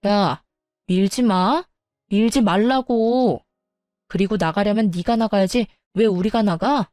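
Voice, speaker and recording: A brash, hostile sister-in-law barks at her brother's wife with open contempt, as a woman narrator puts her on. Her voice is mellow and a bit dark. It is recorded close and dry. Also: mid-range voice, slow pace, dry recording, soft background music, close to an everyday voice. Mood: angry. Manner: shouting, contemptuous.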